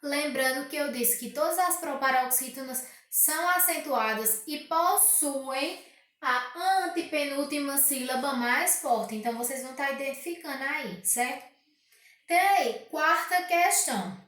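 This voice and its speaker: High-voiced teacher in an echoey room. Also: female voice, fairly bright tone, distant mic. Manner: reads exercises aloud, stretches key words slowly, asks rhetorical questions. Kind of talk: recorded grammar lesson for pupils.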